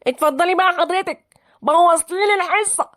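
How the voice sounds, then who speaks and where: Male teacher, Egyptian accent, strict, blustering, very high pitch. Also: fairly quick, fairly bright tone. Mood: defensive. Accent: Egyptian Arabic. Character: stern old-fashioned male schoolteacher.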